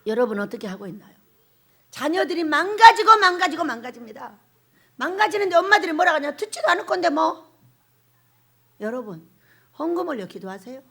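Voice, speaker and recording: A woman pastor delivers a sermon in a high, animated voice. Her pitch swings widely as she presses the congregation with emphatic questions. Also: fairly quick. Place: church or prayer house hall.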